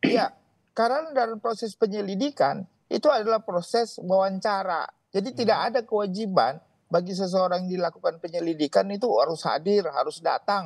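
With lively intonation and a high pitch, a man talks at a fairly quick pace against a quiet background. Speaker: legal expert; guest. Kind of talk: TV news interview. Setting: video call. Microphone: video call.

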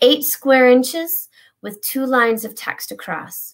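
Over a quiet background, a woman talks at a moderate pace with vocal fry. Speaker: romance author. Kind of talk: reading aloud. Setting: video call. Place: home room. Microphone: webcam.

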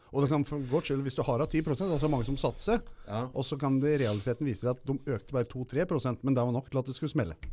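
Talking very fast with hardly any pauses, a man uses a dark, mellow tone at a medium pitch with ordinary pitch variation. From Eastern Norway, Moelven; Eastern Norway. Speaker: former strongman; podcast guest. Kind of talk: casual chat. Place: studio. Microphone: studio mic.

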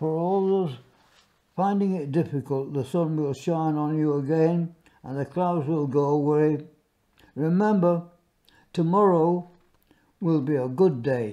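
In a British accent, a man speaks fairly slowly with long, frequent pauses and a dark, mellow tone. His pitch is fairly high with ordinary variation, against a quiet background. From United Kingdom. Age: 80s+. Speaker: army veteran. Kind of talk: children's book reading. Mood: gentle, hopeful. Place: home room.

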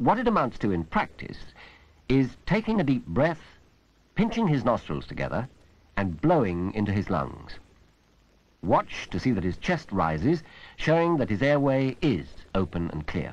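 With a British accent, a man talks at a moderate pace in a medium-pitched voice with vocal fry, very wide pitch swings, and long, frequent pauses. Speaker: narrator of a training film. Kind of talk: scripted narration. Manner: formal.

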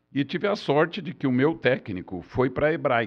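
A man's voice with vocal fry, at a moderate pace. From São Paulo, Brazil. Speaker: basketball coach and technical director; basketball coach guest. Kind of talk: interview. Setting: studio. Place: studio. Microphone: studio mic.

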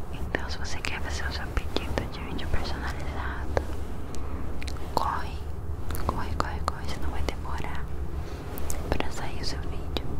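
A woman whispers in a breathy voice. Her speech has long, frequent pauses. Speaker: ASMR content creator. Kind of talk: soft ASMR whisper chat. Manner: breathy close whisper. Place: home room. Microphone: handheld.

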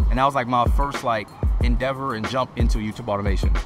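Background music plays under this man's voice. His pitch varies in an ordinary way. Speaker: interviewee. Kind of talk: interview answer. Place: street.

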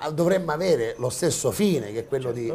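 With lively intonation, a man talks over light background noise. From Sicily. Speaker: TV talk show host and lawyer. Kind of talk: casual interview. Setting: TV studio. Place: studio.

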